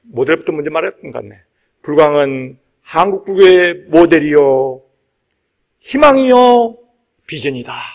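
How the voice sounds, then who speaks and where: Male monk, high-pitched voice, emphatic dharma preaching with repeated phrases and informal asides. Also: animated, measured pace. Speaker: Buddhist monk giving a dharma talk. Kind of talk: sermon.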